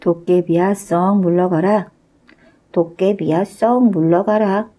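A woman's voice: lowish voice, steady tone, slow pace, warm tone. A woman voicing a village man who gives old-fashioned, confiding advice in a storybook tale. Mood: stern, confiding. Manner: old-fashioned advising speech, whispering. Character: village man, calm advising elder neighbor.

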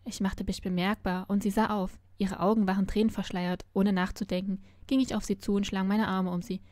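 A woman's voice: medium pitch, little pitch movement, fairly quick, darkish tone, no echo, clean studio sound. A woman reading a novel aloud, narrating expressively in the first person. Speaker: story reader.

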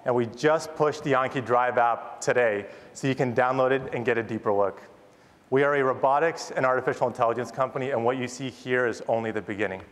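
A man's voice: medium pitch, fairly quick. Man giving an eager keynote in a hall. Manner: enthusiastic, rehearsed stage delivery. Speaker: company founder presenting a product. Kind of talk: keynote product presentation. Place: large conference stage before an audience. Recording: long hall reverb, audience noise.

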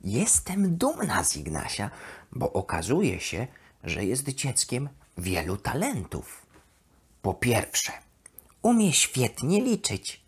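A woman's voice: a bass voice, wildly swooping pitch, takes it slowly, heavily acted. A woman voicing a chatty, devoted plush toy duck, expressively confiding her diary in a children's bedtime audio story. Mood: fond, chatty.

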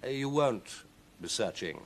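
A man voicing a sly, imperious demon cat in a storybook, with a smug, deliberate drawl. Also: on the low side, animated, a bit bright, a little hiss or hum.

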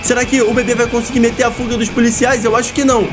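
A young man giving excited gameplay commentary in a small room, calling out to his viewers and playing a police officer. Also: very high voice, racing. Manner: hyped, shouts at the audience, plays the police role. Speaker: gameplay narrator. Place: small room with green screen. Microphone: headset. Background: loud game music.

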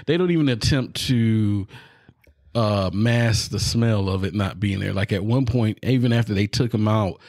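A man's voice: on the low side, normal speed, a little mellow, no room sound, studio quality. A man co-hosting a podcast, trading laid-back jokes in casual chat. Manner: laid-back, joking banter. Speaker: podcast co-host.

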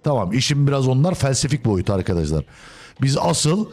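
A man hosting a gaming video, casually commenting on his play in a joking way. He talks back to the game characters and swings between loud outbursts and low mutters. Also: big pitch swings, brisk. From Turkey.

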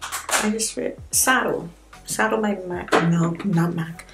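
Heavy noise surrounds a beauty vlogger in her twenties who speaks slowly and steadily in a fairly low voice. Her casual makeup tutorial, filmed in a small room with a plain wall, is candid and rambling, laced with wry self-mockery.

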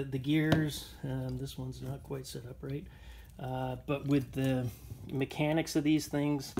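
Rambling man filming antique finds. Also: mid-range voice. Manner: rambling, many ums and uhs. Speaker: antiques dealer showing finds. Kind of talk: casual walkthrough vlog. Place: indoor shop or barn, tiled floor. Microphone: handheld phone camera. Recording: noisy phone recording.

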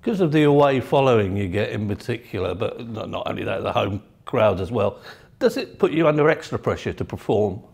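A man's voice: on the low side, animated, fairly quick, vocal fry, hardly any pauses, darkish tone, slightly rough. A man interviewing a footballer for the club, putting his questions in a friendly, conversational way.

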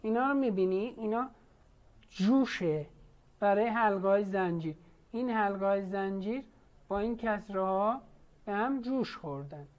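A woman's voice: mid-range voice, darkish tone. A woman teacher leading an online class, patiently questioning her students.

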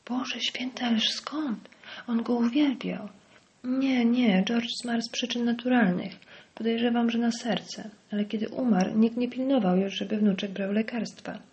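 A woman's voice: fairly high pitch, fairly even intonation, normal speed, a little mellow, voice pushed up, natural voice. A woman voicing a bitter, venomous middle-aged male village doctor in an audiobook, sneering and dropping into hissed whispers. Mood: dismissive. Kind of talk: audiobook character voice.

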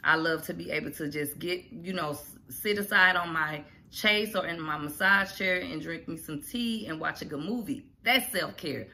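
A woman's voice: fairly low pitch, moderate pace, gravelly, hardly any pauses. A middle-aged woman talking casually to camera in her home kitchen, chatty and encouraging. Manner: chatty, encouraging, animated with hands. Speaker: vlogger. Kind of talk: casual vlog talk to camera. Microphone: camera in front at arm's length. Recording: roomy kitchen, faint background noise.

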